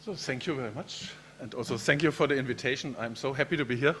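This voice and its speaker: A man's voice: medium pitch, fast talker, background noise. A man, a professor giving a keynote lecture in a friendly, chatty way, often repeating words as he speaks. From Germany.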